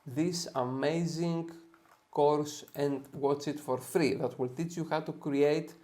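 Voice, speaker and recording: A man's voice: fairly high pitch, dark tone. Greek-accented man teaching photo editing. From Greece. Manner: upbeat, tags sentences with "okay?". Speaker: software tutorial host. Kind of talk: screen-share editing tutorial.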